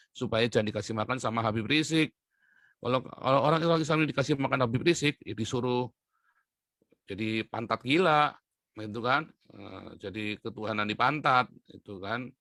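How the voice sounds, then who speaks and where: Brief: male, mid-pitched, heated solo monologue, sharp jumps in pitch for emphasis, dry close sound. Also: no room sound. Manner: emphatic, voice leaps up sharply on stressed points; drops to a low, quiet aside between outbursts. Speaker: online commentator.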